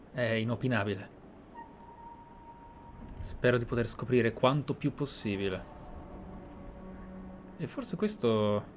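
A man's voice: mid-range voice, a little hiss or hum. Italian man commenting over game ambience. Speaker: gaming YouTuber.

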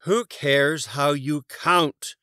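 Man doing a bossy, forceful grumpy bear. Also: fairly high pitch, fairly even intonation, very slow, clear, resonant tone, no room sound, studio quality, pitched above the performer's own voice, heavily acted. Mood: exasperated. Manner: exasperated, emphatic, growly bluster. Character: bossy, short-tempered male cartoon bear.

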